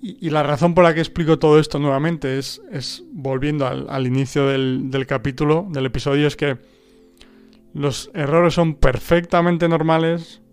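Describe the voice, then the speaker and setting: With faint music in the background, a man with a smooth, steady, somewhat high voice talks at a moderate pace. Spanish is his first language, and on his language-learning podcast he muses informally, frequently restarting and tossing in rhetorical "¿no?" checks.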